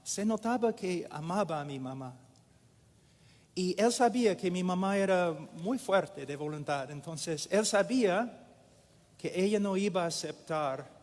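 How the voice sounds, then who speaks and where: Slow emphatic male preacher, reverberant hall. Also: a little high, lively intonation, a little mellow. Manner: slow and emphatic, repeating phrases. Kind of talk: sermon.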